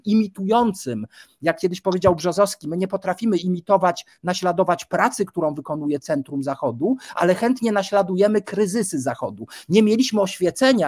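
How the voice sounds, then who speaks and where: A man's voice: high-pitched, a little mellow, dry recording. Man on a dry video call, rhetorical. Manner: essayistic, builds rhetorical contrasts. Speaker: commentator. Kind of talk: political panel discussion.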